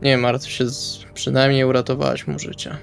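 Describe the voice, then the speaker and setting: A man's voice: medium pitch, completely flat delivery, normal speed, vocal fry, soft background music. A man playing a tabletop role-playing game, improvising dialogue and narrating his actions casually in colloquial speech. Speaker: tabletop RPG player.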